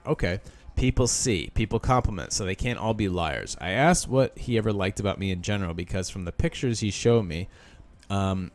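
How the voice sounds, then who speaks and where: Sarcastic man reading a post aloud. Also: on the low side. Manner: sarcastic asides between read lines. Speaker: podcast host.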